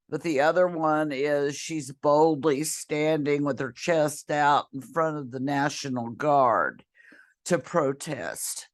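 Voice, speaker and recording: Brief: hoarse woman, voice half gone, slow unhurried screen-share tutorial, throat clearing, computer mic. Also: low voice. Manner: slow, halting, clears throat often, apologetic. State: losing her voice, hoarse and whispery. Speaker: college librarian or instructor.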